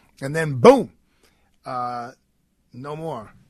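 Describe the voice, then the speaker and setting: In a New York accent, a man with a fairly high pitch, somewhat breathy, talks at a very slow pace with ordinary pitch variation. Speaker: radio host and attorney. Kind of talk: radio talk show. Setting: broadcasting from his law office.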